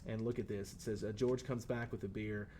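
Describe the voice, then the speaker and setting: A man's voice: fairly low pitch, flat delivery, fairly quick, mellow, slight background noise. A male teacher giving a casual classroom lecture on a short story, talking in a conversational way with many fillers and restarts.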